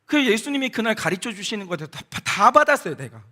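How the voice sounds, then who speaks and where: A male pastor delivering a Sunday sermon into a church microphone. His voice sits high with a bright, forceful edge and lively pitch swings. He tells stories, dropping softly into other people's words before rising again in emotion. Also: brisk. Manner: storytelling, quoting people in softer voices, bursts of emotion. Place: church sanctuary.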